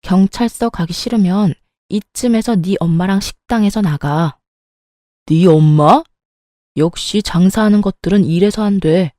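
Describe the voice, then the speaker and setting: A woman's voice: mid-range voice, unhurried, mellow, no room sound, clean studio sound, close to an everyday voice. A woman voicing an arrogant, entitled young husband who talks down in a blustering way. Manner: condescending, blustering.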